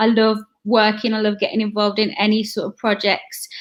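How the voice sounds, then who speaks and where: Here a woman speaks at a fairly high pitch. She has a Midlands accent. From English Midlands, near Birmingham. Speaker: entrepreneur. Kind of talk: interview conversation.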